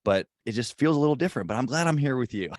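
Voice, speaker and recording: A man with a deep voice hosting a casual podcast interview from an airport, emphatic and hyped but holding his volume down. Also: expressive, very fast, no echo, studio quality. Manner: emphatic, hyped-up, kept quiet in a public spot. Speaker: podcast host.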